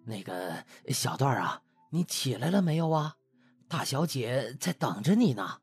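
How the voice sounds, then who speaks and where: A man voicing a soft-spoken, hesitant, anxious butler in an audiobook. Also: medium pitch, very animated, measured pace, husky, soft background music, full character voice. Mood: gentle. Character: gentle, anxious, flustered male butler.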